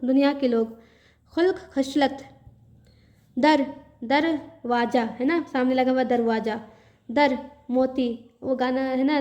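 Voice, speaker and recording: A woman with a high-pitched, slightly mellow voice teaches an online grammar lesson. She reads word lists aloud and explains them in a chatty manner, mixing in English words.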